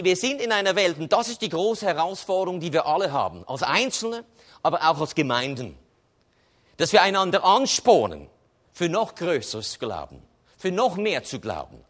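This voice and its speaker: Man, high voice, chatty sermon delivery. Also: big pitch swings, moderate pace, fairly bright tone. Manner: conversational preaching, tags with "oder?". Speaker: preacher.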